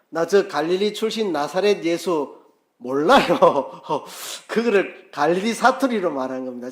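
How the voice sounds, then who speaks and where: A male pastor preaches in a church sanctuary with a slightly high voice. He tells the story vividly and acts out the characters' lines. His voice jumps loud and falls to a near murmur. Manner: storytelling with acted-out quotes, swinging loud and soft. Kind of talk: sermon.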